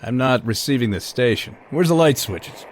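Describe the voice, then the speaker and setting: A man's voice: mid-range voice, animated, moderate pace, a little hiss or hum, close to an everyday voice. An actor playing an awkward, stammering male radio technician in an audio drama.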